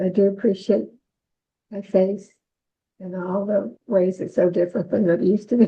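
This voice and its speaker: With long, frequent pauses, a woman talks at a moderate pace and medium pitch, her voice somewhat breathy and shifting a lot in loudness. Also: ordinary pitch variation. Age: 80s+. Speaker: participant in spiritual group call. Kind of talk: casual sharing on group call. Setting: video call.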